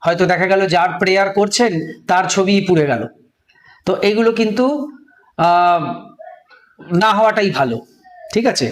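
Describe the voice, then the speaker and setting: A man's voice: high-pitched, normal speed, pauses often. A man giving a spiritual lesson, patiently spelling out words and repeating them, talking straight to viewers. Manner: colloquial, addresses viewers directly. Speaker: spiritual teacher. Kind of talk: instructional talk.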